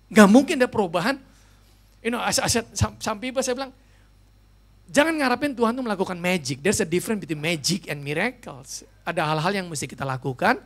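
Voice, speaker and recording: A male pastor delivers an emphatic sermon with a gravelly, creaky voice. He slips English phrases into his talk and keeps speaking straight to his congregation. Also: high-pitched. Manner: emphatic, mixes English phrases into his talk, often addresses listeners as "saudara".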